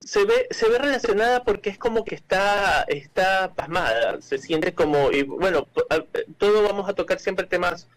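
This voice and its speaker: An Ecuadorian man speaks as an interview guest, his voice sitting a little high for a man. He explains his views at length, often hesitating with fillers, restarting phrases and repeating words. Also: moderate pace, poor audio. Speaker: cultural manager, interview guest.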